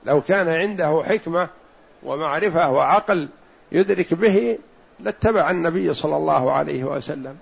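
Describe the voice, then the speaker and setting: A man giving a religious lesson, explaining a text in a measured way and slowing down to stress his points, in a dull lo-fi recording. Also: a little high, creaky, slightly rough. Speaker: Islamic scholar teaching hadith commentary.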